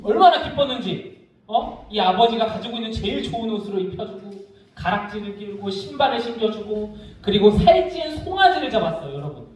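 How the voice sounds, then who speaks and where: Lively, high-voiced preacher in an echoey hall. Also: male voice, brisk. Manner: animated storytelling, asks the listeners questions. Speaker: junior pastor. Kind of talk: children's sermon. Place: church sanctuary. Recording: echoey church hall, mic far off.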